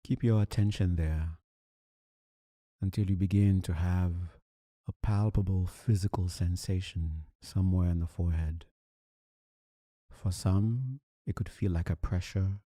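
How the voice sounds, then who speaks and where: Very slow, dark-voiced man guiding meditation. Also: deep voice, dry recording, studio quality. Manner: calm, soothing, with long deliberate pauses. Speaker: meditation teacher. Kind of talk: guided meditation.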